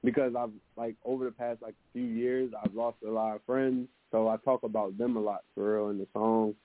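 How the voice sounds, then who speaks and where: Deep-voiced young man on a phone line. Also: moderate pace, no room sound. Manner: relaxed, hesitant, lots of fillers and restarts. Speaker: musician guest. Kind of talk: casual interview answers. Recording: dry, narrow phone-like sound.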